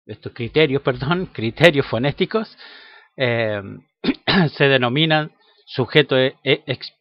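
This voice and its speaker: A man teaching a grammar lesson in a slow, halting way, with many fillers and tag questions. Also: mid-range voice, no echo. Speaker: language teacher. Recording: dull lo-fi sound.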